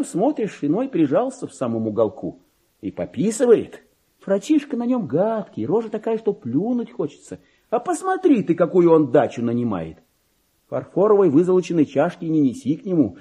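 Petty, theatrical, wildly animated government clerk. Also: male voice, medium pitch, husky. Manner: theatrical, grumbling, excitable, mimics others mockingly. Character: petty, resentful, self-important male government clerk, lovestruck and deluded. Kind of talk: dramatic monologue in a Russian literary radio play.

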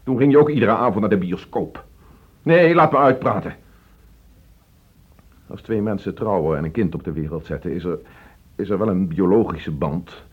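A man acting a frustrated divorced father in a Dutch radio play, reproachful and emotional, halting when upset. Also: sits low, breathy edge. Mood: angry, hurt. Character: frustrated divorced father pleading with his teenage son. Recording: dull, muffled old radio play recording.

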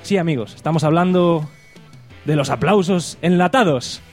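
A man's voice: a little high, moderate pace, faint music behind. A man hosting a comedy podcast, mock-serious and sarcastic. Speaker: podcast host.

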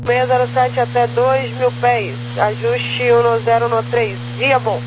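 A Brazilian woman working as an air traffic controller gives clipped instructions over the radio. Her voice is fairly high and slow, with little pitch movement. The transmission is muffled and noisy, with a hum typical of aviation radio.

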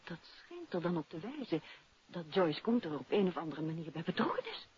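A dull vintage radio recording features a poised, quick-witted wife of a detective. Her mid-range voice is animated and inquisitive, with practical, conversational delivery in the 1950s radio drama manner. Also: fairly low pitch. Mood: curious, practical.

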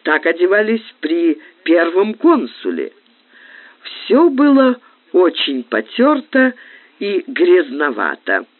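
A man narrating a literary audiobook with expressive, theatrical phrasing. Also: sits high, takes it slowly. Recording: tinny phone-like lo-fi recording.

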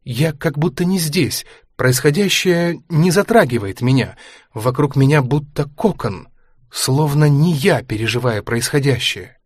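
A proud, anxious aging former ballerina with a sharp tongue, as a male audiobook reader puts her on. Her voice sits higher than the narration and sounds tense and emphatic. The recording is dry and close, with no room sound. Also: expressive, measured pace, husky, dry recording. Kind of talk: audiobook character reading.

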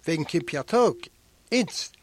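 A man reading aloud voices a warm, fatherly prison guard who speaks gently and a little louder than the narration. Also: a little high, animated, a little slow. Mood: urging.

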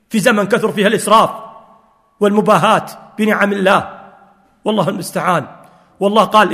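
A man's voice: high-pitched, a bit bright. A man preaching a sermon with fervent emphasis, quoting scripture and telling stories to his listeners. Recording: long hall reverb.

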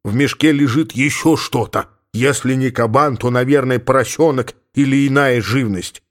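Here the gruff middle-aged Cossack father, read by a male narrator in a mid-range voice at a moderate pace, turns mocking as he grumbles and exclaims. Stubborn, suspicious, and constantly muttering, he's only lightly acted, never drifting far from the reader's own voice.

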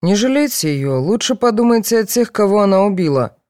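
A woman voicing a tired male court guard who speaks in curt, flat orders. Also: medium pitch, fairly quick, no echo, clean studio sound, voice pushed up, lightly acted.

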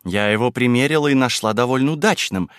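A man's voice: medium pitch, fast, no echo, clean studio sound, close to an everyday voice. A man reading aloud and voicing a chattering, flighty young society wife of twenty-one who bosses a boy around. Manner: chattering, excitable, bossy.

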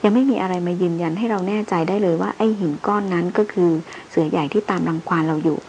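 A woman reading the lines of a seasoned male hunter who speaks in a calm, level-headed and skeptical way. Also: lowish voice, quick pace, slight background noise, lightly acted.

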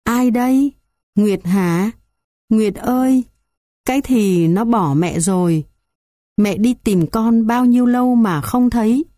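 A woman's voice: on the high side, slow, dark tone, no echo, clean studio sound, voice pushed up. A woman voicing a frail, grieving old village woman who talks in a dazed, pleading way.

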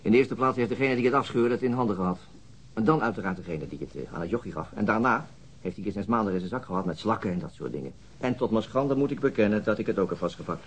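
An actor playing a dogged, troubled police detective in a naturalistic radio drama, husky and deliberate, sometimes halting. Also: male voice, on the low side, lively intonation. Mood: matter-of-fact. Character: dogged, troubled male police detective recounting his inquiry.

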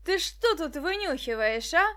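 A woman reading an audiobook, voicing a short, sly male crook who rasps and wheedles. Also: high voice, lively intonation, a little slow, a bit bright, pitched above the performer's own voice. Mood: snarling. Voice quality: hoarse, wheedling.

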